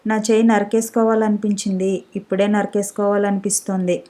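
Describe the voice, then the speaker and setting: A quick-tempered young husband, read by a woman, pleads and blames himself in a mellow, even voice. He sounds like a figure in a spoken storybook. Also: medium pitch, lightly acted. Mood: remorseful. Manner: pleading, self-reproaching.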